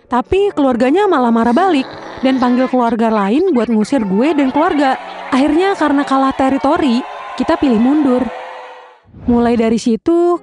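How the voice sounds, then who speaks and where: A woman's voice: high-pitched, darkish tone. A young woman telling her own story in candid, slangy, casual speech. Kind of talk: casual first-person storytelling.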